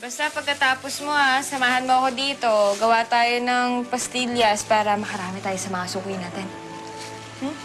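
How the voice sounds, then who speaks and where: A woman's voice: fairly high pitch, steady tone, normal speed, a bit bright, faint music behind, natural voice. An actress as a young Filipino woman with wistful feeling. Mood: gentle, dismissive. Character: poor young woman vendor, regretful in love, big-sisterly. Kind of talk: naturalistic television drama acting.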